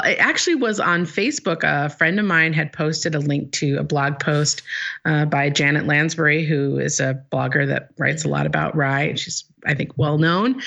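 Gravelly woman from Egypt on a dull line. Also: low voice, bright, forceful tone. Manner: chatty, self-deprecating, many fillers. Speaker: guest interviewer. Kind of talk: casual chat.

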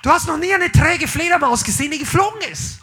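A man preaching a sermon as pastor at a church service, animated, swinging between loud calls and quiet asides, dropping in English phrases. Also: very high voice, fast, vocal fry.

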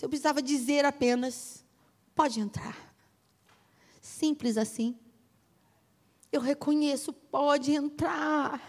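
Very high-voiced Brazilian woman preaching. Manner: emphatic preaching, repeats phrases, swings from loud to soft. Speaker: pastor. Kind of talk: sermon.

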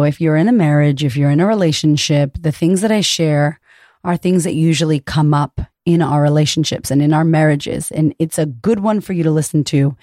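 Raspy, low-voiced woman podcast host. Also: warm tone, no room sound, studio quality. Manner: frank, profane and encouraging, addresses listener directly. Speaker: podcast host and confidence coach. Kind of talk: casual podcast monologue.

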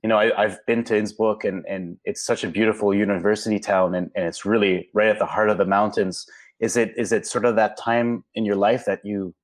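A man's voice: fairly low pitch, steady tone, brisk. A man hosting a podcast, reading a scripted introduction and then asking friendly questions with frequent restarts. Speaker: podcast host.

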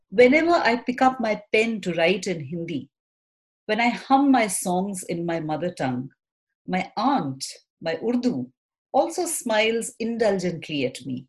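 A woman with a fairly low voice speaks as an interview guest. She is reflective and restarts her sentences often. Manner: thoughtful, with frequent restarts and hesitations. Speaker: poet and theatre practitioner guest.

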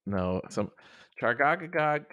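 A man's voice: mid-range voice, sing-song, measured pace, a bit bright, no room sound, studio quality. A man from Massachusetts co-hosting a podcast, bantering and chuckling in casual chat. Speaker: podcast co-host.

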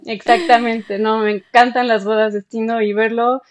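A woman's voice: on the high side, little pitch movement, normal speed, dry recording. A woman from Germany, an interview guest on a remote call, chatting casually and enthusiastically about her own experience in slightly dull audio. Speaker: interview guest, former bride. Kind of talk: casual conversational storytelling.

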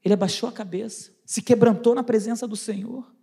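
A woman with a high voice gives an animated church testimony. She acts out every exchange as she tells the story, rushing ahead, then slowing down for effect. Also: creaky, breathy edge. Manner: animated storytelling, acts out dialogue, stammering asides. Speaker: lay preacher giving a testimony. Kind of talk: testimony preaching.

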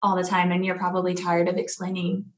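Soft-voiced woman co-host, gentle and friendly, puts viewer questions forward. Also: fairly low pitch, monotone, fast talker. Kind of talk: casual live-stream chat.

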